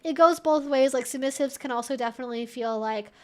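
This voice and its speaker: A woman's voice: high-pitched, quick pace, darkish tone, smooth. A woman hosting a casual educational livestream, explaining things conversationally with lots of "like" and "you know". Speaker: host of a live Q&A stream.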